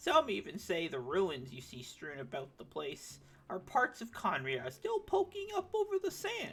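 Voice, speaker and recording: The speaker adopts a put-on character voice and keeps a moderate pace. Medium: actual play. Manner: rambling, storytelling.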